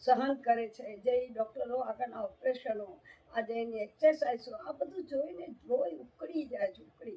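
Her tone dark and mellow, a woman talks at a high pitch. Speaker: home remedy video maker. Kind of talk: advice monologue to viewers.

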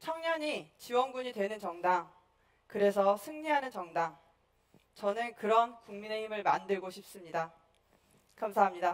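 The speaker moves at a fairly slow pace with lively intonation and long, frequent pauses. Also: woman, medium pitch for a woman. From South Korea. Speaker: politician. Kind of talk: campaign speech. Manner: formal. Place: stage.

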